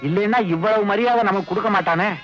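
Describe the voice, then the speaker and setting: A man's voice: high voice, fast, a bit bright, faint music behind, poor audio. An actor playing a suspicious father who scolds and teases his son with sarcasm. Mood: sarcastic. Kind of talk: 1980s Tamil film comedy.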